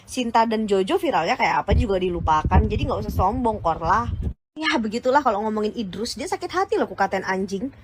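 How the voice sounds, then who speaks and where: A woman's voice: mid-range voice, animated, fast talker, noisy background. Heated woman ranting in blunt slang. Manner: heated, insulting and combative. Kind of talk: angry rant to followers.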